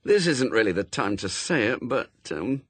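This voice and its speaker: A man's voice: mid-range voice, sing-song, normal speed, a bit bright, slightly rough, no room sound. A man voicing a hapless, gloomy, awkward man with a hesitant, wordy, apologetic way of talking in a storybook. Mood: wretched, sheepish.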